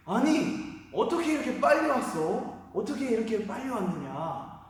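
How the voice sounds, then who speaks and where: A man's voice: high-pitched, big pitch swings, moderate pace, darkish tone, pitched above the performer's own voice. A man voicing a startled, alarmed old blind father who exclaims in surprise. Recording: echoey hall from far off.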